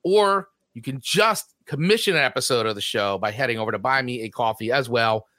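A man's voice: mid-range voice, lively intonation, fairly quick, pushed and bright, no room sound, clean studio sound. A man with a New Jersey accent co-hosting a podcast, chatting casually and rambling through show plugs. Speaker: podcast co-host. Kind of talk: casual chat.

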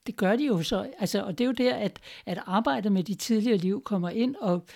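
A woman's voice: medium pitch, gravelly, a little mellow. A woman guest in a conversation, explaining her views and often checking in with tag questions. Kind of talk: reflective conversation.

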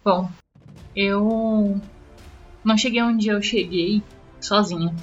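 A woman's voice: medium pitch, steady tone, slow pace, lo-fi sound, soft background music, lightly acted. A woman playing a casual, evasive celebrity in an audio drama game, in an offhand, hesitant way. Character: casual, evasive celebrity woman who sold her soul.

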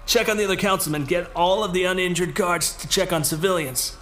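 A hard-bitten police chief in an audio drama. His voice is fairly high and forceful, with curt orders and a sardonic edge. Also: a little fast. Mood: sardonic, commanding. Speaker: actor. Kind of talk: pulp radio drama acting.

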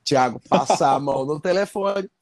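A man from Brazil with a Brazilian accent, a podcast guest telling a story in a lively way, acting out other people and restarting often. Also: on the high side, moderate pace, dry recording. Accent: Brazilian Portuguese. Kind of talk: casual storytelling.

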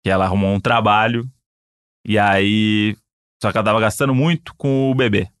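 A man's voice: fairly low pitch, fairly even intonation, normal speed, clean tone, no echo, clean studio sound. A young adult man, co-hosting a podcast in a casual, jokey, rambling way. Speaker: podcast co-host. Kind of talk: casual chat.

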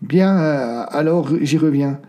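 A man's voice: a little high, slow pace, dark tone. A man reading aloud and voicing a troubled young male doctor who hesitates, then presses for the truth. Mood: pressing.

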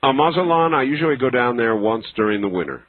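A man's voice: mid-range voice, expressive, fast talker, no echo. A man hosting a call-in radio show, easygoing and dry with his callers. His voice sits in a middle range and comes through thin and narrow, like an old radio broadcast. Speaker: radio talk show host. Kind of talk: late-night call-in radio. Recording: tinny phone-like broadcast audio.

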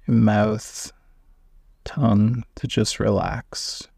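A man guiding a meditation, giving gentle invitations with long pauses between phrases. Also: on the low side, fairly even intonation, creaky, breathy edge, dry recording, clean studio sound. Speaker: meditation guide. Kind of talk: guided meditation.

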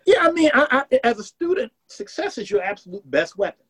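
In a very high-pitched, sing-song voice that's brisk, a bit bright, and slightly rough, a man of about sixty from the American South speaks as an academic guest. The interview is casual, and he's earnest, restarting phrases as he thinks aloud.

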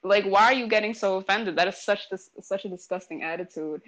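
A young woman talks in a casual interview with blunt, profane energy. Her delivery is animated and opinionated, full of fillers. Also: medium pitch, brisk, rough recording. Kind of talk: casual chat. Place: New York.

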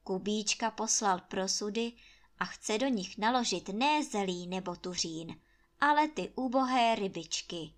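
A woman storyteller reading a fairy tale aloud for children in a calm, expressive way. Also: medium pitch.

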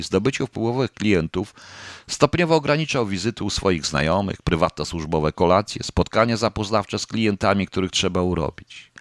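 A man reading a first-person novel aloud as an audiobook, in a measured, subdued way. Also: deep voice, a bit bright, no room sound, clean studio sound. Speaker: audiobook narrator.

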